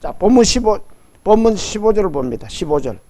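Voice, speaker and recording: A man's voice: sits high, sing-song, brisk, dark tone. A middle-aged man preaching a sermon as pastor, leading his congregation through Bible readings.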